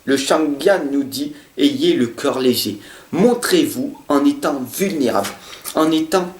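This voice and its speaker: A man giving a monthly horoscope reading from tarot cards, talking in an earnest, repetitive motivational way, stuttering at times and swinging between loud and soft. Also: mid-range voice, expressive, a little slow, a little hiss or hum. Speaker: tarot reader. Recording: roomy sound with faint guitar music.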